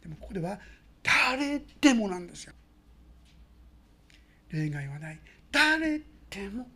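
Woman pastor, sermon; husky voice, very lively pitch, loud bursts and soft asides. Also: measured pace. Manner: animated storytelling, swinging between loud exclamations and hushed asides.

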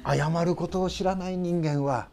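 An older pastor from Tochigi, Japan preaches a sermon in a Tochigi accent, earnest and emphatic, often ending sentences on a rise and using tag questions. His voice is on the high side and a little mellow, with fairly even intonation and normal speed. There is slight background noise.

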